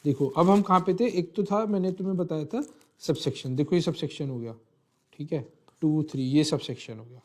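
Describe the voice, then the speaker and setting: A man's voice: on the high side, fairly quick, a little mellow. A man teaching a law lecture, mixing English terms into his talk and often checking in with the listener. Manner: explanatory, repeats phrases and checks with "thik hai"; mixes English legal terms into Hindi. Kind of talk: online lecture walking through a legal text.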